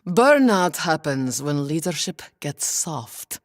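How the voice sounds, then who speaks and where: An actress playing a stern, hardened female lieutenant in a sci-fi audio drama, curt, deadpan and commanding. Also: deep voice, takes it slowly, full character voice. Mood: grimly resolute.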